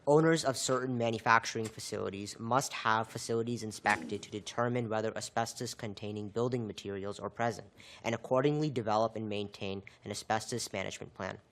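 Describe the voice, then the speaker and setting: Low-voiced man reading a bill summary. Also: a bit bright, a little hiss or hum. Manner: measured, formal. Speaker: committee intern.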